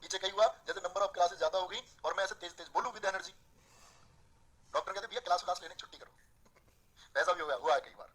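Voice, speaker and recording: A man teaching Hindi grammar in an online class, correcting students' sentences in an animated way and speeding up when he gets excited. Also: high-pitched, slightly rough, poor audio. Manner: animated, fast when excited, addresses students as dear kids.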